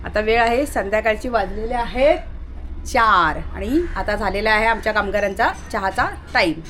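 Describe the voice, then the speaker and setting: A woman vlogging casually from her house under renovation, chatting and calling out loudly to her dog. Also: medium pitch, normal speed, a little hiss or hum. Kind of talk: casual home vlog.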